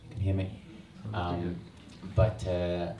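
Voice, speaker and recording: Australian man, 30s, low and flat delivery, earnest and reflective; far-off roomy hall recording with faint ambience. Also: slow, noisy background. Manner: earnest, reflective, frequent ums. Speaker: author. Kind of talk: book launch talk. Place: event hall. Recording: roomy hall sound, mic at a distance.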